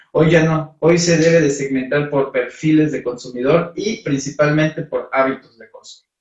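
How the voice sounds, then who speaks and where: At a moderate pace a man talks with fairly even intonation. It is a plain, everyday voice. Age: 20s. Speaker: marketing expert. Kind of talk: interview on marketing.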